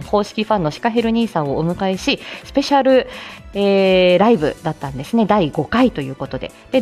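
A woman's voice: mid-range voice, darkish tone. A woman hosting a live stream in a casual, chatty way, often laughing between phrases. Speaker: livestream host.

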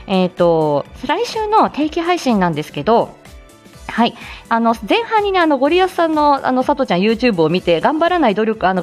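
A woman hosting a live stream in a casual, chatty way, often laughing between phrases. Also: on the high side. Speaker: livestream host.

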